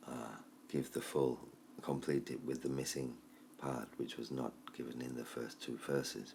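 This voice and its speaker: Very deep and low, a man's voice holds a monotone, flat intonation at a moderate pace. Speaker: Buddhist teacher. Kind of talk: tutorial. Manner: hesitant, with fillers.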